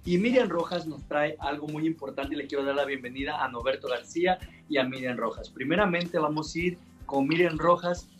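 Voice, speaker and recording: A man hosting a podcast interview through a headset, asking short probing questions. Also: on the high side. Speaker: podcast host. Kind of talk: interview host.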